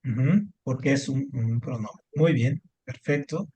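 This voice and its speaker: A man's voice: medium pitch, measured pace, warm tone, breathy edge. A man teaching a spelling lesson online, patient and encouraging, with many fillers as he corrects a student. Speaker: Spanish teacher. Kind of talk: online tutoring lesson over screen share.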